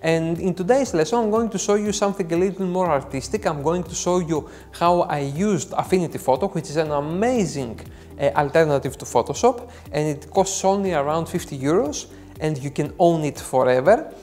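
A young man with a Greek accent, a native Greek speaker, explaining a photo editing tutorial step by step in an earnest way, with frequent small pauses. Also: on the high side, lively intonation, darkish tone. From Greece. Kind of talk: software tutorial narration. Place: dark studio indoors.

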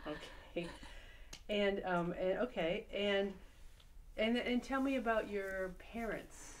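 A woman's voice: mid-range voice, fairly even intonation, slow. A woman asking questions as an oral history interviewer. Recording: clear background noise, off-camera voice.

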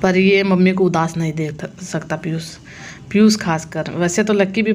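A little hiss or hum sits under this family vlog, where an Indian mother in her thirties casually walks through her family's daily routine. Her fairly low, slightly mellow voice explains each clip step by step.

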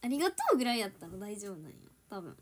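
Speaking very fast in a sing-song, medium-pitched voice, a young idol livestreamer chats casually with viewers from her home. Her Kansai accent comes through as she giggles often and shifts between Kansai dialect and standard Japanese.

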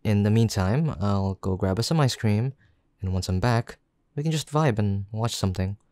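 A man playing a caring, gently teasing young boyfriend in an intimate, affectionate roleplay, speaking softly and unhurriedly. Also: lowish voice, lively intonation, normal speed, dry recording, studio quality, natural voice. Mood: gentle, caring. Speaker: voice actor in boyfriend roleplay audio.

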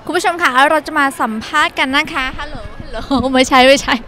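A woman's voice: sits high, fairly even intonation, fast, bright, forceful tone. A young woman reporting bubbly and upbeat from a busy indoor expo hall into a handheld mic. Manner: upbeat, bubbly presenter chatter. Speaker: entertainment show reporter. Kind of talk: on-location event report.

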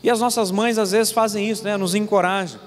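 A man's voice: sits high, steady tone, fairly quick. A man in his twenties from Paraná, Brazil, preaching a sermon as pastor, telling stories and asking the congregation rhetorical questions. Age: 20s. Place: church sanctuary. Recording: long church reverb, faint room ambience.

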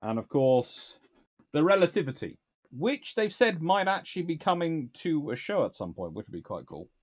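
In a voice on the high side with big pitch swings at normal speed, a British man in his thirties hosts casual naval history chat from his book-lined home study. Speaking British English, he reviews books and takes questions, alternating wry, dry remarks with sudden enthusiasm.

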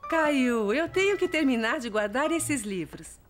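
A busy young cartoon mother with a Brazilian accent. Her voice is high and lively, with a patient, motherly manner. Faint music plays behind her. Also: unhurried. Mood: mildly exasperated.

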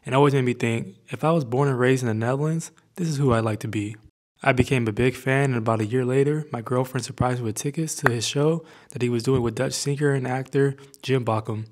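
A man's voice: medium pitch, steady tone, fast. A young adult man from California hosting an interview, eager and chatty, seated on a sofa with a lapel mic. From California, United States. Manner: eager, many "yeah" fillers. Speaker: host. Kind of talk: casual interview; narrated intro. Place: living room with leather sofa.

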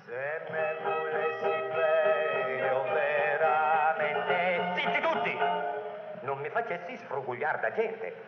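Fussy rehearsing performer, slow delivery, dull vintage soundtrack under loud music. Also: male voice, fairly high pitch, echoey room. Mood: exasperated. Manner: drawn-out Italian dialect delivery. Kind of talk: 1940s film acting, dialect song rehearsal.

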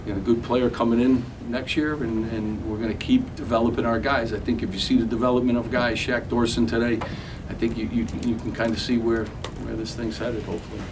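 A middle-aged man, a head basketball coach, answering questions at a postgame press conference, halting with many fillers and restarts. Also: medium pitch, little pitch movement. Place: press conference room, seated at table. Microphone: table mic, camera from afar. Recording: distant mic with background noise.

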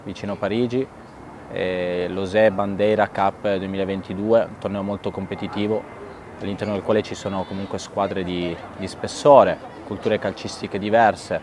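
A man in his thirties talks through his coaching in a measured, reflective way. His voice sits low and he stops now and then with small fillers. Faint background noise comes from the night street around him. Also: steady tone. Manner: measured, thoughtful, with filler pauses. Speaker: youth football coach. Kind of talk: sit-down interview.

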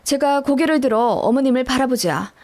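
Woman reading out a story, high pitched, super lively, dramatic. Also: brisk. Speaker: story reader.

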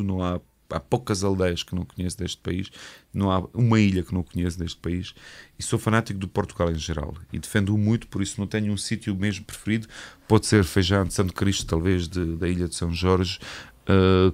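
A man's voice: deep voice, a little mellow. A man in his forties who grew up in Eastern Europe, talking casually and bluntly as a podcast guest, swearing freely in a studio on a headset mic. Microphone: studio mic with headphones.

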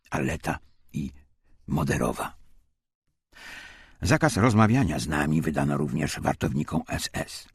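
Very deep, husky man narrating. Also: dry recording. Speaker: audiobook narrator. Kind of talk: scripted narration of a wartime memoir.

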